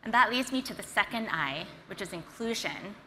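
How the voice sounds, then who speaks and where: Bright-voiced woman in a hall. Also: medium pitch, moderate pace, a little hiss or hum. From Singapore. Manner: energetic, earnest, direct. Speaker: startup founder and CEO. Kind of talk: conference talk. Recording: reverberant hall, faint ambience.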